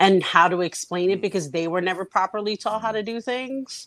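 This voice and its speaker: Here a woman talks fairly quickly in an ordinary speaking voice with ordinary pitch variation. The recording is very clean, with a silent background. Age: young. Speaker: community group member. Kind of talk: casual chat.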